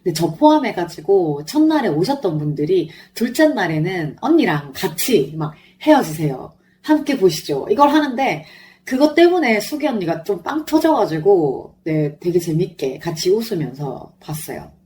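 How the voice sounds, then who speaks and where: A woman with a fairly low voice reviews a concert on her solo podcast at normal speed, with slight background noise. She gushes animatedly like a devoted fan, her throat sore and strained from singing along.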